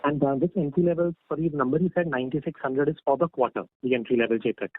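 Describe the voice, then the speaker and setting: A man asking questions as an analyst on an earnings call, halting and often checking his understanding. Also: medium pitch. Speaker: financial analyst caller. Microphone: phone call. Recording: dry, tinny phone line.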